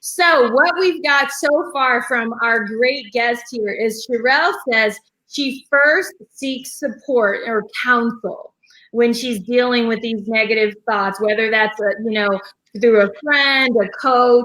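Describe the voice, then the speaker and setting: A woman's high, bright and sharp voice with an American accent, very slow pace and ordinary pitch variation. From Texas, Austin. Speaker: talk show host. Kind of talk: live-streamed interview.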